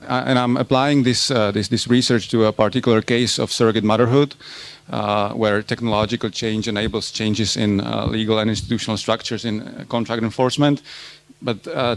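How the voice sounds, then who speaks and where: Man in his 30s, conference lecturer; gravelly, hesitant delivery with frequent restarts. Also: mid-range voice. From Czech Republic. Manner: halting, often repeats words while searching for them. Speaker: university lecturer presenting research. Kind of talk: academic conference talk.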